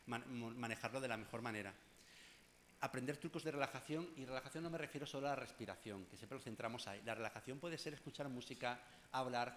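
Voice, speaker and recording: Chatty psychologist giving a workshop. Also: male voice, medium pitch, a bit bright, slight background noise. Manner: conversational, addresses audience directly with asides and humor. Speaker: clinical psychologist leading a workshop. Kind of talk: informal workshop talk.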